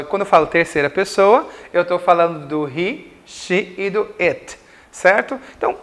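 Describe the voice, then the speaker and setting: In a recorded school class, this Brazilian teacher explains English grammar slowly, repeating examples and asking "certo?" to check understanding. He speaks with a Brazilian Portuguese accent in a high, fairly bright voice.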